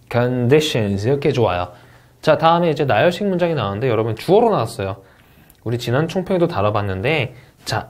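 A man delivers a recorded test-prep English lecture. His pitch swings widely as he talks, and he draws out the English practice words slowly and deliberately. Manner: lively, animated delivery, stretching out English model words slowly.

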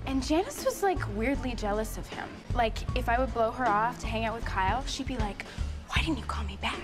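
A woman playing a catty popular high-school girl with a gossipy valley-girl lilt, in a film clip. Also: animated, fairly quick, lightly acted. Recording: film clip with music under it.

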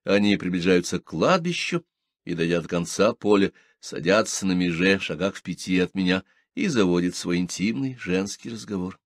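A man's voice: sits low, animated, normal speed, dry recording, studio quality. A man reading a literary story aloud in first person, expressively. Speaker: audiobook reader.

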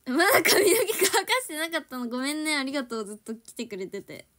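This young idol streams from home, talking casually with her viewers and giggling a lot as she switches between Kansai dialect and standard Japanese. Her voice sits high with big pitch swings and a fairly bright tone, and she talks fast with a Kansai accent.

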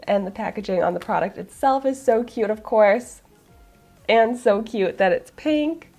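Hoarse, bubbly woman vlogger with a cold. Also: mid-range voice, measured pace, a little mellow, soft background music. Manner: bubbly, gushing, candid. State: hoarse, getting over a cold. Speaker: beauty vlogger. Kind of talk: casual product review to camera. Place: small room in front of a floral backdrop.

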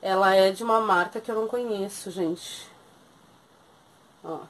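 This woman speaks at a medium pitch and an unhurried pace. In her thirties and with a southern Brazilian Portuguese accent, she runs a small thrift shop and chats casually in a sales video while showing secondhand clothes and giving their prices, often calling her viewers "gente".

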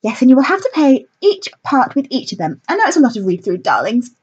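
A woman's voice: sits high, sing-song, quick pace, breathy edge, dull audio, voice pushed up, full character voice. A woman voicing a grand, theatrical stage director who calls everyone darling, in a storybook reading.

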